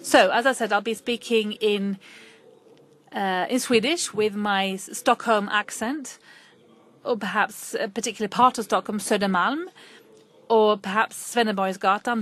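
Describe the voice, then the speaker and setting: A woman interpreting a conference talk in real time, her pitch sitting in an ordinary middle range. She moves forward in bursts and stalls on fillers, restarting phrases as she catches up with the speaker. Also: a bit bright. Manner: halting, frequent fillers and restarts. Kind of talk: simultaneous interpretation of a lecture.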